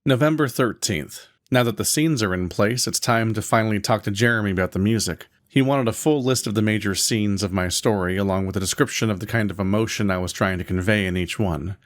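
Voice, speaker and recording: A man delivers scripted first-person narration for his own video. His voice is fairly low. Guitar music plays clearly underneath him. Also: brisk, hardly any pauses.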